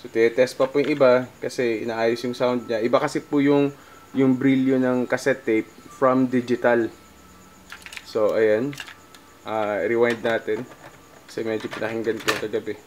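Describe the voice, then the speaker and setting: A middle-aged Filipino man talks casually to viewers in a halting, conversational vlog style, thinking aloud as he demonstrates. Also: medium pitch, flat delivery, a little hiss or hum. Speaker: musician vlogger.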